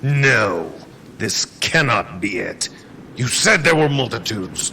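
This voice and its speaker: A man's put-on character voice, medium in pitch and fairly slow, with clear background noise. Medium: audio drama. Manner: imperious, grandiose.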